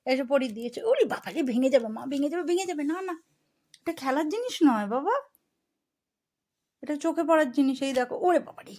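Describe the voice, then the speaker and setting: A woman's voice: expressive, quick pace, pauses often. A woman from Bengal at home, talking to her cat in playful baby talk, coaxing and scolding by turns. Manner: coaxing, scolding playfully, swings between high squeals and soft murmurs. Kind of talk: affectionate baby talk to a pet. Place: home, indoors.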